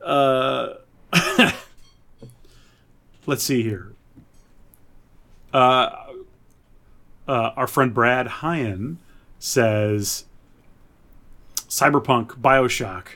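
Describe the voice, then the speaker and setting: A man's voice: medium pitch, extremely slow, vocal fry, long pauses, sharp tone. A man hosting a podcast, chatting casually about games and films as he reads out and reacts to suggestions. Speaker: podcast host.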